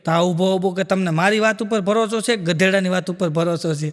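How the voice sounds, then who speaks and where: A man with a high voice does stand-up, racing through anecdotes and acting out the dialogue. His voice carries the long reverb of a live hall. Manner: rapid anecdotal storytelling with acted dialogue. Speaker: stand-up comedian. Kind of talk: Gujarati stand-up storytelling.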